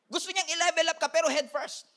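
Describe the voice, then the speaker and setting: A man with a Filipino accent preaching an animated sermon as pastor, mixing in English and calling for amens. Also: very high voice, quick pace.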